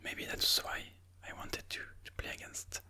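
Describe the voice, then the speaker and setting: An ASMR chess commentator explains moves with slow deliberation, using a breathy, unvoiced whisper. The delivery is bright and sounds pushed.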